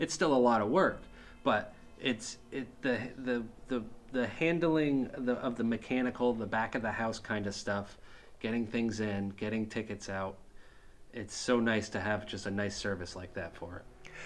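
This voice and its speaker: The man's voice sits at a medium pitch with ordinary pitch variation. His pace is moderate. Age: 30s. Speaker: film festival organizer and podcast host. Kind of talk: casual interview podcast.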